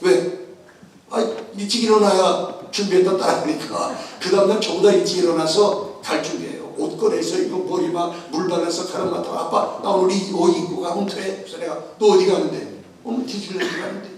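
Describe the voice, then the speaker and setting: High-pitched pastor in an echoey hall. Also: male voice, moderate pace, a little hiss or hum. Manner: animated, acts out dialogue with his son, rhetorical questions. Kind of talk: sermon with story. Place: church sanctuary. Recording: echoey church hall, far from mic.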